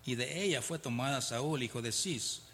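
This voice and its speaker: A man's voice: mid-range voice, normal speed, a bit bright. A man teaching a Bible study in a conversational way, reading verses aloud and explaining them, often checking in with his listeners. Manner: conversational, often asks "¿verdad?", chuckles between points. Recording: reverberant hall.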